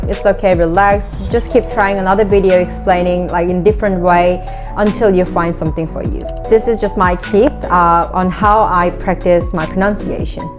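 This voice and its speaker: A young woman with a Korean accent, a Korean native speaker, giving relaxed conversational tips in a vlog, often using "like" as a filler. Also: medium pitch. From South Korea. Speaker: vlogger. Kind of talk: casual talking-to-camera tips. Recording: background music.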